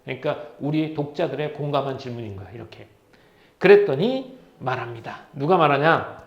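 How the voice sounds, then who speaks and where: A man's voice: medium pitch, expressive, moderate pace. Man lecturing with constant questions. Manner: fires rhetorical questions at students and answers them himself. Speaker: teacher. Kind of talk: Korean literature lecture. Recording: roomy, slightly dull lecture recording.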